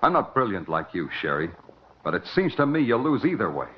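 An actor playing a hard-boiled detective in a 1950s radio drama, dry and sardonic. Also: male voice, on the low side, very animated, brisk, slight background noise. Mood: terse. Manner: sardonic, clipped. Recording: muffled old radio broadcast.

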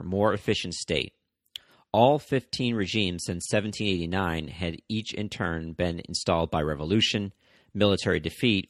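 A man hosting a history podcast, reading scripted narration in a measured way, with occasional fillers and restarts. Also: deep voice, no room sound, studio quality. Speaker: podcast host.

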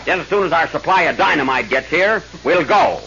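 A commanding comic gang leader gives orders in a lively, fairly high voice. The old radio comedy recording sounds muffled. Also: male voice, a little fast, creaky, background noise. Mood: bossy, brisk. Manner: commanding, wisecracking. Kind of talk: 1930s-40s radio comedy acting.

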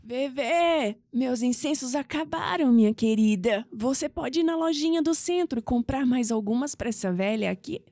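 An actress playing a frail, affectionate old gypsy grandmother in an audio drama, speaking softly and tenderly. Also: high-pitched, expressive, normal speed, few pauses, dry recording, studio quality. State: coughing, frail. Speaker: grandmother character.

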